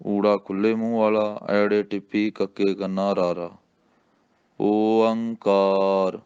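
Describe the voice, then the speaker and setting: A man from Punjab with a Punjabi accent, teaching correct recitation of scripture and drawing out each recited word slowly and calmly. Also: fairly low pitch, clear, resonant tone, dry recording, dull audio. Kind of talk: slow recitation with pronunciation instruction.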